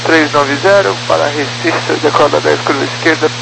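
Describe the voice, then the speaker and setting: Casting: Brazilian man, airline pilot, gravelly terse delivery over a noisy two-way walkie-talkie radio link. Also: fairly high pitch, fairly even intonation, normal speed. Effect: two-way radio transmission, walkie-talkie sound. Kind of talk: clipped pilot radio calls. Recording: noisy humming cockpit radio channel.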